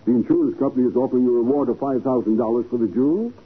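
A thin, phone-like vintage radio recording holds a man playing a well-to-do gentleman. His voice is husky and mid-pitched, with courteous, genteel phrasing in 1940s radio acting style. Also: rapid-fire, natural voice.

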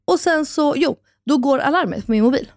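This is a woman in her thirties with a fairly high voice, chatting on a podcast and acting out what people said as she tells her story. The recording is dry and close to the mic. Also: no echo. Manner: animated storytelling, acts out quotes, swears casually. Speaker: podcast co-host. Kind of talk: casual chat.

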